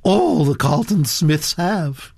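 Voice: medium pitch, lively intonation, takes it slowly, vocal fry, a little mellow, slightly rough, no echo, voice pushed up, heavily acted. A reader voicing an imperious elderly aristocratic duchess who speaks bluntly and commandingly. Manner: commanding, brusque.

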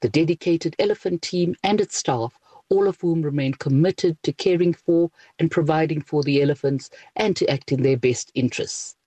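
A woman's voice: low voice, moderate pace, mellow, husky, no echo, poor audio. A woman spokesperson formally reading out an official statement.

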